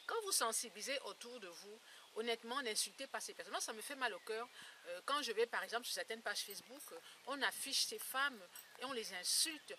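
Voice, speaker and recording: A woman's voice: fairly high pitch, sharp tone. A woman in her fifties speaking informally to her followers in an earnest, emphatic way, repeating phrases for emphasis. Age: 50s. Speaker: beauty blogger and campaigner against skin lightening. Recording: distant mic, clear background noise.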